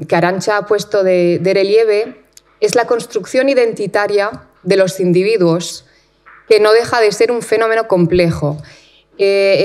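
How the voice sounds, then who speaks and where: Woman giving a measured academic lecture. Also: mid-range voice. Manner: measured, with frequent fillers and repeated words. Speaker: guest lecturer, researcher. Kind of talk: academic conference talk. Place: lecture hall.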